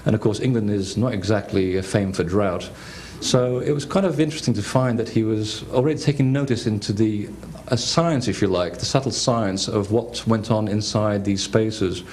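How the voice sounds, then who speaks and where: Lecturer, male, Portuguese accent, fairly low voice, halting delivery full of ums, faint room hiss. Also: darkish tone. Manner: hesitant, many fillers and restarts. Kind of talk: conference lecture with slides.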